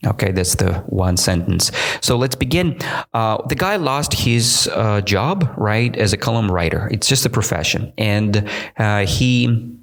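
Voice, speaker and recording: Gravelly-voiced Russian man teaching English. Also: fairly low pitch, animated, unhurried. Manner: chatty, keeps checking with "right?". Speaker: English teacher, podcast host. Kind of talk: explaining vocabulary while reading comments aloud.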